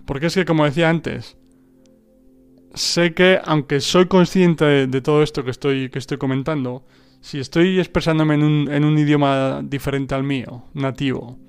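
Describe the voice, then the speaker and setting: A man's voice: fairly high pitch, steady tone, moderate pace, smooth, soft background music. A man whose first language is Spanish, hosting a podcast on language learning and talking through his ideas with frequent restarts and rhetorical checks to the listener. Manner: thoughtful, full of restarts and rhetorical "¿no?" tags. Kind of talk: casual spoken monologue.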